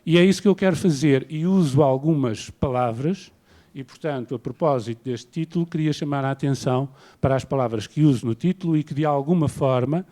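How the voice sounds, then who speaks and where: A man from Portugal with a European Portuguese accent, giving an academic lecture in a measured, self-deprecating way. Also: medium pitch, dark tone. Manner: measured, self-deprecating, paces around while speaking. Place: lecture hall.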